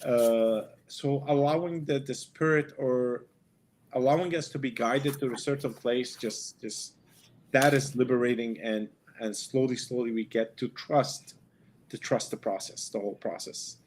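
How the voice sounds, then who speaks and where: Halting, encouraging male medium. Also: mid-range voice, darkish tone, rough recording. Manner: halting, repeats words, encouraging. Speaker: spiritual medium. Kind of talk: casual podcast chat.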